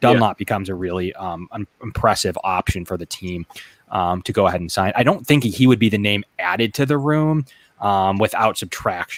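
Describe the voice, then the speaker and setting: In a Buffalo accent, this voice moves at a fairly quick pace with ordinary pitch variation on a very clean recording with a silent background. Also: man, fairly low pitch for a man. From Western New York (Buffalo). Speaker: sports podcast host. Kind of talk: casual sports podcast chat. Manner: hesitant, many fillers (um).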